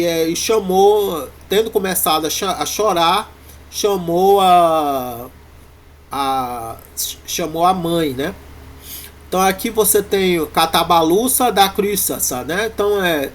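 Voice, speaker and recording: Man, Brazilian Portuguese accent, teacher, halting lecture, high voice, unhurried. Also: a bit bright. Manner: halting, many fillers and restarts. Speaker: university Greek teacher. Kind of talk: classroom lecture.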